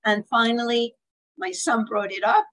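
Speaking from home on a video call, an older woman from Switzerland with a Swiss accent talks about care planning as a hospice speaker in a webinar full of anecdotes. Her fairly high, somewhat bright voice has lively intonation and an unhurried pace, though the audio is poor; she earnestly slips into the voices of relatives she quotes.

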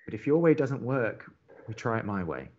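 A man's voice: medium pitch, sing-song, moderate pace, darkish tone, lo-fi sound. A man playing a blunt, wry young college radio co-host in a naturalistic audio drama. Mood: frustrated, sincere.

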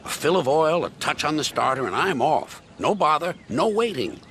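A man's voice: a little high, big pitch swings, normal speed, a bit bright, a little hiss or hum, pitched above the performer's own voice. A man voicing a smug, boastful male diesel engine in a storybook tale, with a sneering, scornful manner.

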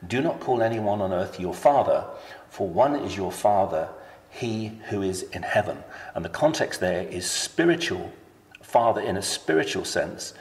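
A man on a phone call who questions a church and recites scripture at length, earnest and persistent. His voice sits low. The recording carries a roomy, long-tailed reverb.

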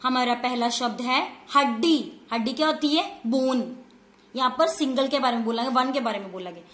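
A woman teacher with a high voice leads a class for small children. She goes slowly, spells words letter by letter, and answers her own questions. Her voice rings around an echoey room at home. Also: a bit bright. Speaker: school teacher. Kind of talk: online class lesson.

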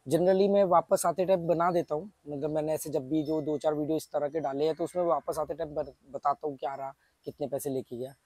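A man's voice: fairly high pitch, steady tone, a little fast, hardly any pauses, a little mellow, dry recording. A man in his thirties with a sore throat, chatting casually to camera as a vlogger, explaining things step by step in an outdoor garden with a clip-on mic. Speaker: travel vlogger. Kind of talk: casual vlog talk to camera. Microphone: small clip-on mic on shirt.

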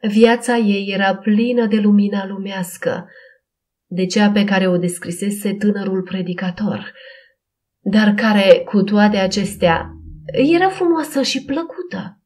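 A woman narrating a Christian audiobook in a steady, expressive reading style. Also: mid-range voice.

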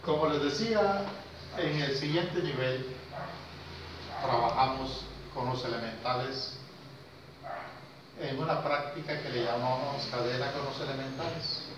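Slow-talking older man in an echoey room. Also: medium pitch, distant mic. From Costa Rica. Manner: unhurried, pausing between short phrases, questioning listeners. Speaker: lecturer. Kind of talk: informal spiritual lecture to a small class. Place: small indoor classroom with whiteboard. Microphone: handheld camera a few metres away. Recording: very echoey, noisy, muffled room recording from afar.

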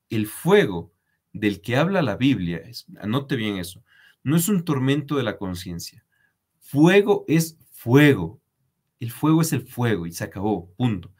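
A man giving a religious commentary on a letter. He is emphatic and repetitive, addresses his viewers directly and asks them to comment. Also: medium pitch. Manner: emphatic repetition, frequent restarts. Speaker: preacher.

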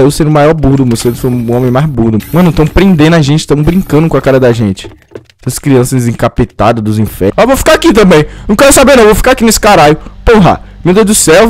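Brief: male gamer, sore throat, cusses constantly, lively voice that leaps up high when caught. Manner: swears a lot, yells and shrieks when caught. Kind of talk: casual let's-play commentary.

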